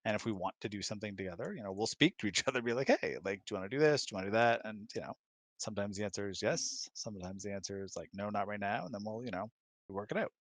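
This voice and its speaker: A middle-aged man with a fairly low voice, recorded dry and close. He chats informally about relationships and often slips into imagined quotes to make his points. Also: lively intonation, racing, a bit bright, dry recording. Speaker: guest on spouse's hangout. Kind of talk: casual relationship chat.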